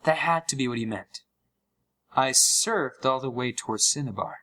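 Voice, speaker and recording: A man's voice: mid-range voice, normal speed, sharp tone, close to an everyday voice. A young man playing an uneasy gamer who narrates a scripted horror story with dramatic, suspenseful delivery. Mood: puzzled, tense. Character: uneasy young male gamer recounting a haunted game.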